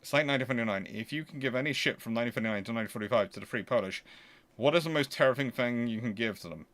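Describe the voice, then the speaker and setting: A man's voice: mid-range voice, rapid-fire, a bit bright. A man hosting a casual question-and-answer stream, talking in an emphatic, argumentative, conversational way. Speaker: host answering viewer questions.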